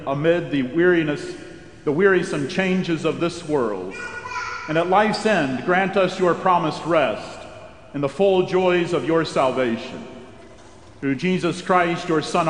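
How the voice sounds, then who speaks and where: A man leading formal liturgical prayer in a chapel, solemn and measured, with the voice ringing in a cathedral-like echo. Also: a little high. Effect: cathedral-like echo of a large chapel. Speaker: officiant leading chapel worship. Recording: roomy chapel with long reverb.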